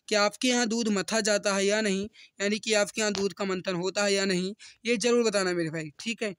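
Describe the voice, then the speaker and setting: A man with a high-pitched voice teaches an exam class in a dry, close recording. He works through questions step by step and speaks directly to his students as he gives each answer. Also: a bit bright, dry recording. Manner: instructional, often addressing listeners directly.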